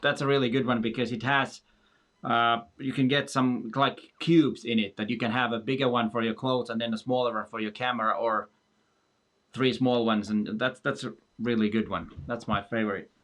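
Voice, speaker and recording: A man's voice: medium pitch, fairly even intonation, normal speed, a bit bright. A man from Finland, hosting a casual live stream and reading out viewer questions in a friendly manner.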